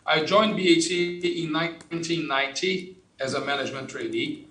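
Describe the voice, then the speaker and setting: A man in his fifties with a Brazilian accent, a native Portuguese speaker, talking through his career in a measured, explanatory way as an interview guest. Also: on the high side, steady tone, fairly bright tone. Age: 50s. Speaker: company executive, interview guest. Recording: roomy, echoing sound.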